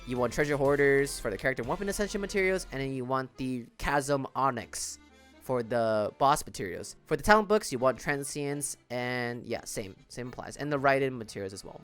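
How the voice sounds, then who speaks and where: A young man hosts a casual gaming reaction while sick with throat trouble. His delivery is slangy and laid-back at a medium pitch, with faint music behind him. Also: a bit bright. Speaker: reaction video host.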